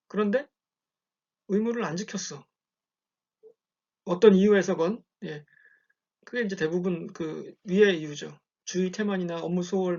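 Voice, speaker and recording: A man lecturing in a relaxed, conversational way, often checking in with "예" and telling examples. The recording is dull and lo-fi. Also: sits high. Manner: conversational, frequent "예" check-ins, storytelling examples. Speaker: university lecturer.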